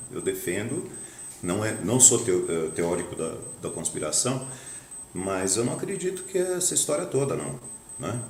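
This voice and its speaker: A man at medium pitch and moderate pace, very wide pitch swings, long and frequent pauses, audible room echo, noticeable background noise. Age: 60s. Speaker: author and visual artist. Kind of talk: interview. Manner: halting, many repetitions and fillers.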